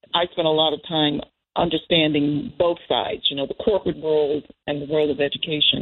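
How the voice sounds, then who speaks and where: Speaking with fairly even intonation, a woman with an American accent has a very deep, low voice. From US South, Virginia. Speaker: educator and co-op board member. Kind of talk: interview. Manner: halting, many fillers.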